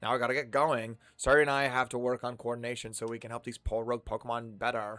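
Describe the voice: The reading aloud is plain, its intonation fairly even.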